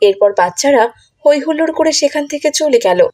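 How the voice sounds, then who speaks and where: A woman's voice: high-pitched, expressive, fast talker, a little mellow. A woman giving scripted narration for a cartoon story.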